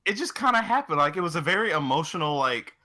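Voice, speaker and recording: A man's voice: a little high, sing-song, fast, pushed and bright. A man co-hosting a podcast, talking casually in a profane, joking style. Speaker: podcast co-host.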